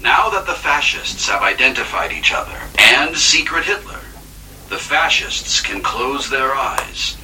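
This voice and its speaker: Distant, hushed spooky male game narrator. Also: mid-range voice, big pitch swings, measured pace. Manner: hushed, dramatic, often dropping to a whisper. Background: clear background noise.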